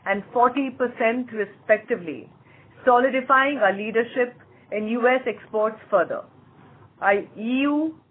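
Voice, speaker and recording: High-voiced Indian woman on a muffled call. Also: husky. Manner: formal, measured reading. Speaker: company executive. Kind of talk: scripted earnings call presentation. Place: conference call. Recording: muffled phone-like conference call line.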